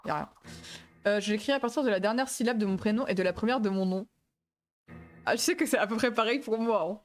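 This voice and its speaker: A young woman streamer chatting casually and laughing with panicky yelps while she plays a game. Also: mid-range voice. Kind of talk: casual gaming stream commentary.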